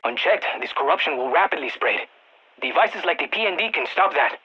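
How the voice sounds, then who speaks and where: An actor playing an excitable, nerdy male scientist with a Latino Spanish accent, wordy and theatrical, in video game radio lines. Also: fairly high pitch, fairly quick, breathy edge, lo-fi sound, heavily acted. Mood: urgent briefing. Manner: theatrical, wordy, swinging between glee and exasperation. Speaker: mission scientist giving radio briefings.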